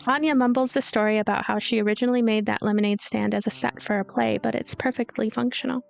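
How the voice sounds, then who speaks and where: A woman's voice: on the high side, steady tone, fast talker, vocal fry, soft background music. A woman reading a visual novel's story aloud as narrator, with light commentary of her own.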